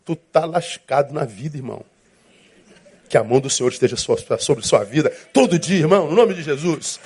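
A pastor preaches a sermon in an animated, playful way. His voice sits a bit high for a man, and he slips into little acted-out voices to make his points. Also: a little fast, slightly rough. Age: 50s.

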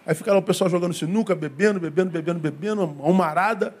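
A Brazilian pastor preaches a sermon in a high-pitched, slightly husky voice. He tells a story, repeats phrases for effect and acts out what people said, with a Brazilian Portuguese accent. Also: racing.

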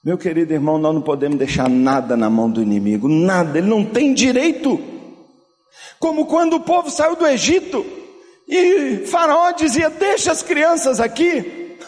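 A male pastor preaching a sermon, swinging from loud, slow declarations down to soft, hushed passages. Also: sits high, very animated. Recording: long hall reverb.

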